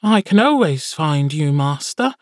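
A man voicing a small, loyal male demon familiar with a high, squeaky, eager voice. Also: very animated, a little slow, no echo, clean studio sound.

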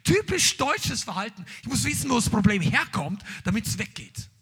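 A man preaching a charismatic sermon to a congregation, emphatic and animated, dropping English words and shouting out exclamations. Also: extremely high pitch, normal speed, breathy edge. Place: church hall with congregation, streamed online.

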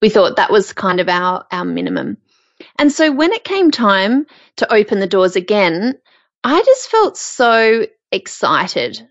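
A woman's voice: medium pitch, very animated, measured pace, no echo, dull audio. A woman co-hosting a podcast, with a frog in her throat, reflecting aloud with fillers. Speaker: podcast co-host. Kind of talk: casual podcast chat.

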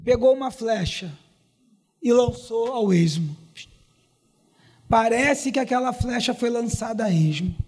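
Man, pastor, very high voice, sermon, shouts his exhortations, acts out dialogue. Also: lively intonation, a little slow, pauses often, husky. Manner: preaching with shouted rises and quoted dialogue.

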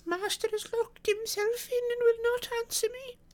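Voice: very high voice, fairly even intonation, normal speed, pitched above the performer's own voice. A narrator voicing a thin old housekeeper, frightened, tearful and devoted, in an audiobook story. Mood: anxious, pleading. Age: older. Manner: tearful, repetitive, fretful pleading.

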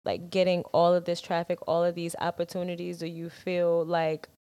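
A woman's voice: on the low side, steady tone, moderate pace, warm tone, smooth. A woman co-hosting a casual interview, asking direct, probing questions. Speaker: co-host.

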